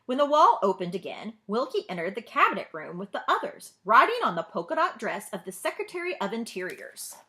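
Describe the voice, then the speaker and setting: Animated woman reading a children's story. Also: on the high side, a little fast, hardly any pauses. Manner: expressive, addresses young listeners with questions. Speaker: librarian storyteller. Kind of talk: children's read-aloud narration.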